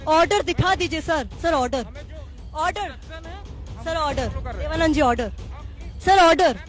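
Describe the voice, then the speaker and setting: A woman's voice: high-pitched, lively intonation, a little slow, over music, crowd noise. A woman field reporter reporting on the spot, pleading and insistently repeating her demands, with a dry throat.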